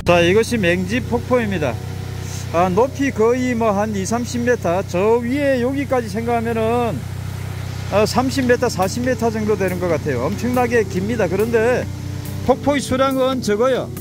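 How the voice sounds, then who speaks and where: A man casually narrating a mountain hike as he walks, pointing out the trail and the sights in an unhurried way, recorded outdoors on a handheld camera. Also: very high-pitched, background noise. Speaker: hiking vlogger.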